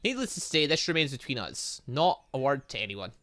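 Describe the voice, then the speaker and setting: A man's voice: medium pitch, sing-song, a little fast, a bit bright, no room sound, studio quality. A man reading game dialogue aloud in a let's play, adding his own commentary and often stumbling over words and correcting himself. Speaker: gaming YouTuber reading a visual novel aloud.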